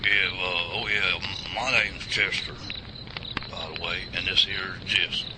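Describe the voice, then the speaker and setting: A man's voice: fairly even intonation, measured pace. A man playing a folksy old-timer, talking outdoors at night. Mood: plain talk. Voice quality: drawling, colloquial, deep. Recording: loud cricket night noise.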